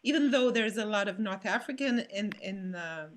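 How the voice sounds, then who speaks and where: A woman's voice: mid-range voice, lively intonation, moderate pace. A French woman with a French accent, an actor speaking hesitantly in a casual panel discussion and searching for her words. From France. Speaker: actor in a children's theatre company.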